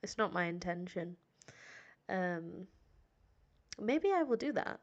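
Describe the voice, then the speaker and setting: A northern English teacher from Sheffield, nasal, weary and a touch hoarse, rambles through a casual live stream for learners with frequent fillers and self-deprecation. Her lowish voice is sing-song and slow, and the recording sounds muffled.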